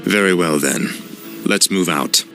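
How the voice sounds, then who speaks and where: An actor playing a young fallen prince turned death knight, speaking in a flat, grim, unrepentant way. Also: male voice, low voice, unhurried, faint music behind. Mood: cold. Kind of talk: video game cutscene acting. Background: orchestral score.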